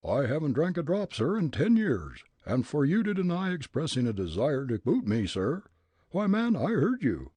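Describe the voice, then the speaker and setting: A man reading a story and voicing an angry, gruff elderly rich man who blusters and shouts indignantly. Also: on the high side, huge pitch swings, normal speed, no echo, pitched above the performer's own voice, heavily acted.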